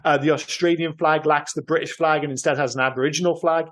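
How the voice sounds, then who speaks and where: A man's voice: on the high side, steady tone, quick pace, a bit bright. Rambling British man on a film podcast. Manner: rambling, loose, swears casually. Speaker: podcast co-host. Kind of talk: casual film podcast chat.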